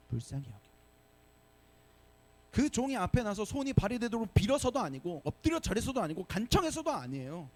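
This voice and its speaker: A male pastor preaching a sermon to young adults in a church, lively and often asking the congregation questions. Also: sits high. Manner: animated, asks the congregation questions. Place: church sanctuary.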